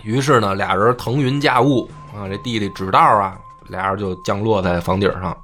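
A man's voice: lowish voice, normal speed, fairly bright tone, soft background music. A man telling a folk tale in a chatty, joking way with asides. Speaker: storyteller. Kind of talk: casual comic storytelling.

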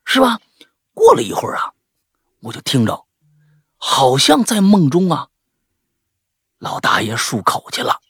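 A man reads listener ghost stories on his show in an animated storytelling voice. His pitch leaps and falls expressively, his tone has a slight husky grain, and the sound is dry and close. He sinks into a hush for creepy moments and drops in chatty asides. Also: measured pace, long pauses, no echo. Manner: chatty, breaks off with jokey asides and laughs. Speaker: podcast host reading listener stories. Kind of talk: animated storytelling, dropping to hushed tones for eerie parts.

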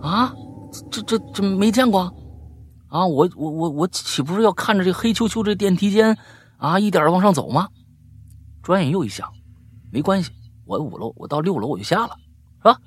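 A man with a rough, husky voice hosting and telling listener stories in a chatty way, prone to grumbling, scolding asides. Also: sits high, animated, fairly quick, pauses often. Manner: grumbling, scolding, exasperated rants. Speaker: host reading listener stories. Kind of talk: animated storytelling with chatty asides.

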